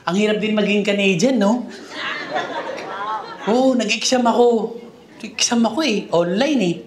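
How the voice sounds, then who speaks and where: Stand-up comedian, man from the Philippines, high and animated, acts out quotes, live in an echoey hall with a loud crowd. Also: unhurried.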